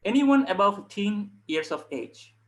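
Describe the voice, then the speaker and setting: A man giving an informal instructional talk as a yoga instructor, speaking earnestly in short, halting phrases to online viewers. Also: high-pitched, animated, a bit bright, poor audio.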